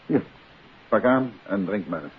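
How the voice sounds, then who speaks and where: A man's voice: on the low side, lively intonation, a little slow. A man acting a composed, courteous private detective in a 1950s radio drama, speaking in a polite, probing, conversational way. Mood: reassuring. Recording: hissy, narrow-band 1950s radio recording.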